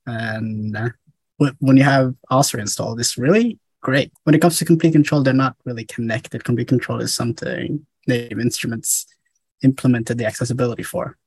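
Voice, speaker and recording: A man from Somalia, a guest music producer, talking casually and softly in an interview, with laughs between phrases. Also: mid-range voice, fairly even intonation, fairly quick, husky, no echo, rough recording.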